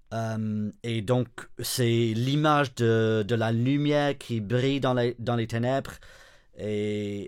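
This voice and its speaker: In a very clean recording with a silent background, a man with an English accent talks at a very slow pace, his pitch medium and his intonation fairly even. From northern England. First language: English (speaking French). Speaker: worship songwriter and pastor. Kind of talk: casual interview.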